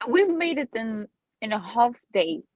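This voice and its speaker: A woman in her twenties from Armenia, a native Armenian speaker, answering interview questions in halting English and searching for words. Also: a little high, very animated, dry recording, lo-fi sound. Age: 20s. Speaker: singer guest.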